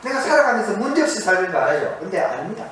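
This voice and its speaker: Male monastic preacher, high voice, animated pitch, asks the audience questions, repeats key words. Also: racing. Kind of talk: sermon lecture to an audience. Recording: very echoey, distant mic, faint noise.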